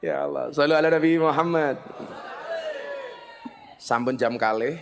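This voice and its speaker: Javanese-accented man preacher, high voice, jokes with the crowd. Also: measured pace, gravelly, a little hiss or hum. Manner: joking, mixes in Javanese phrases. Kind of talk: lively village sermon.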